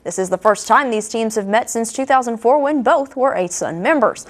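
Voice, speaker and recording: A young woman gives the sports segment in a fairly high voice. She runs through scores and schedules at a brisk, upbeat clip. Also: expressive. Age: young adult. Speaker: sports reporter. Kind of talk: sportscast reading.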